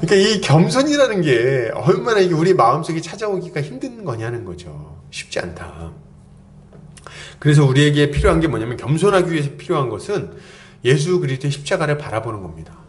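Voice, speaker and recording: A middle-aged man preaches to his congregation in a chatty, playful way. His voice sits a little high and swings widely in pitch. He slips into quick mock quotes to make a point. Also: big pitch swings, a little hiss or hum. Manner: conversational preaching with playful acted quotes and asides. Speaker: pastor. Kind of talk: expository sermon.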